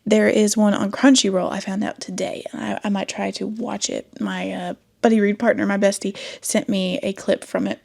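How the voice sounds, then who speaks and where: A woman's voice: medium pitch, level tone, moderate pace, gravelly, few pauses, darkish tone. A congested woman hosting a casual book review channel, rambling and correcting herself and laughing often as she talks into a desk microphone. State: congested from a cold. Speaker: booktube host.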